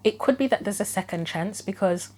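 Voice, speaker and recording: Brisk and a little mellow, her medium-pitched voice carries an informal tarot reading on the channel she hosts. She muses aloud through possibilities, though her throat is a little troubled and her voice is on its way out.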